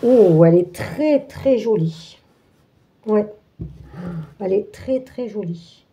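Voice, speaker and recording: Lady unboxing a craft kit, very dark mellow voice, lots of euh and restarts. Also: fairly high pitch, muffled recording. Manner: chatty, hesitant, many fillers and restarts. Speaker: craft channel host. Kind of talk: casual unboxing walkthrough.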